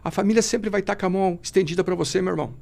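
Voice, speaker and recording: Guy on a podcast telling his testimony, kinda high voice, lots of vocal fry, preachy, keeps saying brother. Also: rapid-fire, a little mellow. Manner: fervent, preachy, often calls the listener brother. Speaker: podcast guest. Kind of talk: emotional testimony.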